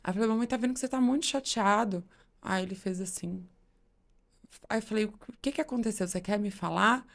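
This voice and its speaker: A woman co-hosting a podcast, telling a family story with lively acted-out dialogue in casual chat. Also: mid-range voice, fairly quick, gravelly. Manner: animated storyteller, acts out dialogue. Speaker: podcast co-host, mother.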